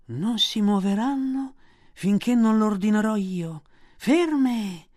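A man voicing a huge old python that speaks slowly and commandingly, calm and menacing. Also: high voice, pitched above the performer's own voice.

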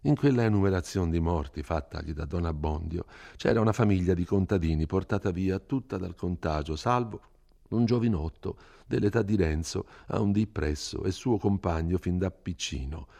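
A man reading a classic novel aloud as a measured, expressive storyteller. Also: deep voice, creaky. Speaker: reader.

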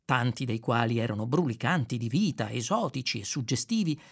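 Guy reading a sci-fi audiobook, lively expressive storytelling. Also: medium pitch, brisk, gravelly, breathy edge. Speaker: audiobook narrator. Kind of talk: scripted narration.

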